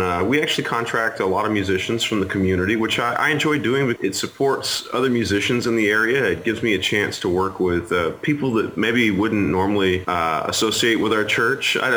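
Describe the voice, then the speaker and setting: A man's voice: low voice, a bit bright, rough recording. A man answering casually as an interview guest, chatty and wordy in his explanations. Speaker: interview guest, church music director and musician. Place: remote call to the show.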